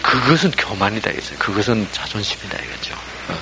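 A man's voice: fairly low pitch, a little fast, creaky, heavy background noise. A man preaching a sermon, constantly asking the congregation questions and answering them himself. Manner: animated, asks listeners rhetorical questions constantly. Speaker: pastor. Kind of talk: sermon with call-and-response questions.

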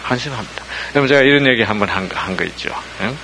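A man at medium pitch preaches in rapid-fire style, his sermon built on call-and-response as he keeps asking listeners questions and supplying the answers. He is animated, and the background is noisy.

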